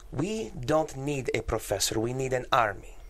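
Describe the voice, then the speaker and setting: A man's voice: medium pitch, sing-song, unhurried, a bit bright. A man acting a blunt, distrustful Catholic clergyman in a script table read, speaking emphatically. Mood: heated, alarmed.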